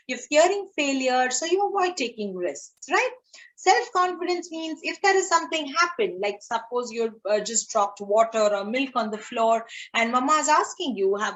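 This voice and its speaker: A woman with a fairly high voice talks to children in an easygoing, encouraging way. Her speech is sprinkled with "uh" fillers and she checks in with a "right?" after her points. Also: a bit bright, poor audio. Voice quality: frequent "uh" fillers, tag questions "right?". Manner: encouraging, simple examples for kids. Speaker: dentist giving a motivational talk to children. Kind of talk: informal talk to children.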